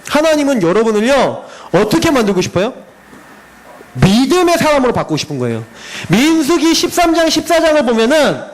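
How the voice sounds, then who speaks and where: A middle-aged male pastor preaching to a youth group in a lively, animated way, telling stories and laughing. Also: extremely high pitch, poor audio.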